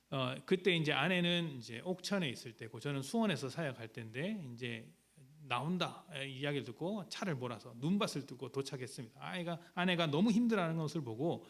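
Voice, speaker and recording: A man pastor preaching a sermon in a conversational storytelling way, full of rhetorical questions. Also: a little high.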